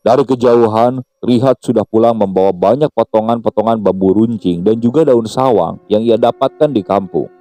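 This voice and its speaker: A man narrating a scripted horror story in a steady, measured way. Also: on the low side, no room sound. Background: faint music.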